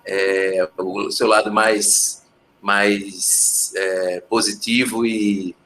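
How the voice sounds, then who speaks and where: A man's voice: lowish voice, level tone, drawn-out words, pushed and bright, rough recording. A man with a northeastern Brazilian accent from Pernambuco, a musician guest chatting casually and searching for his words. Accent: Pernambuco northeastern Brazilian Portuguese. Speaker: composer, musician and producer guest. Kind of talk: casual interview chat. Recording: faint background noise.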